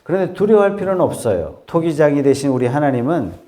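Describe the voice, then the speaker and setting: A male pastor delivers a sermon in a slightly high voice for a man. He tells a story vividly, acts out the voices of the people in it, and keeps turning to the congregation with questions. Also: big pitch swings, fast, mellow. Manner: asks the congregation rhetorical questions.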